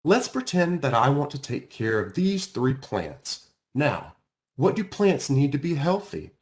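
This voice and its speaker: Man as a kindly, animated school counselor. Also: medium pitch, measured pace. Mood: patient. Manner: gentle, reassuring, explanatory.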